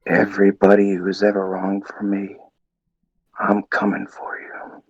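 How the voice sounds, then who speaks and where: A man doing a gravelly, whispering vengeful wrestler. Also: sits low, completely flat delivery, heavily acted. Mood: menacing. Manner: slow, threatening delivery. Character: vengeful male wrestler, menacing and cold. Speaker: caller. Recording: dull lo-fi phone line.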